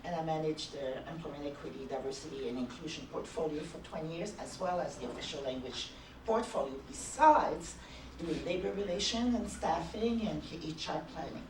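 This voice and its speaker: A woman's voice: low-pitched, fairly quick, background noise. A middle-aged woman from Canada gives a conference talk, telling stories in a chatty way. She is heard from some distance in an echoey hall. Audible room ambience sits behind her. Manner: chatty, anecdotal, laughs often. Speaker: conference speaker.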